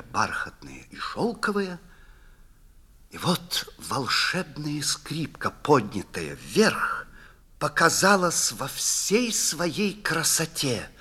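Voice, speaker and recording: Male narrator, theatrical literary reading, drawn-out dramatic phrasing, very animated pitch, bright forceful tone. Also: breathy edge.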